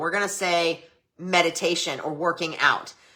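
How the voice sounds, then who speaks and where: A woman speaks in an animated way. Her tone is bright and sharp. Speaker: wellness coach. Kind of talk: livestream talk.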